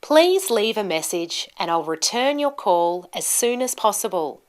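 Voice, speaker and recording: Female language teacher, 30s, mid pitch, unhurried, deliberate delivery with precise stress for instructional video. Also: animated. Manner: deliberate, carefully enunciated with marked stress. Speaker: pronunciation teacher. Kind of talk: instructional lesson to camera, scripted. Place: small indoor studio with plain backdrop.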